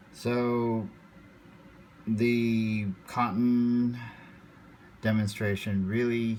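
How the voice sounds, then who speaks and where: Speaking at a very slow pace with long, frequent pauses, a man at medium pitch keeps a monotone, flat intonation amid audible room echo. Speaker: vaping product reviewer. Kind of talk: casual monologue to camera. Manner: halting with many ums and uhs.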